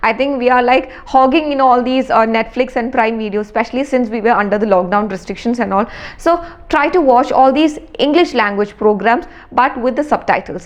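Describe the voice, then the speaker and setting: The speaker talks at a fairly quick pace with a Keralan accent. Noticeable background noise can be heard. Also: woman, high pitch for a woman, ordinary pitch variation. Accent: Indian English (Malayali). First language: Malayalam. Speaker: exam coaching YouTuber. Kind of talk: tutorial.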